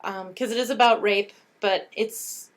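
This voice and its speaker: A woman's voice: mid-range voice, steady tone, unhurried. Female co-host for a chat podcast, mid-range voice, informal and enthusiastic delivery. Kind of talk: casual chat.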